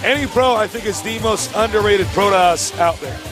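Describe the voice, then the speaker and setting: Hoarse upbeat male esports caster. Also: high voice, music in the background. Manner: joking, upbeat, quick asides. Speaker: co-caster and host. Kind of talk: casual esports casting banter. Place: exhibition hall stage area.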